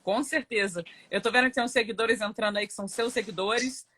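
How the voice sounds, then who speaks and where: A woman's voice: a little high, brisk, fairly bright tone. Upbeat chatty woman hosting a live stream. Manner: chatty, repetitive list-making, upbeat. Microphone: webcam or phone for live stream.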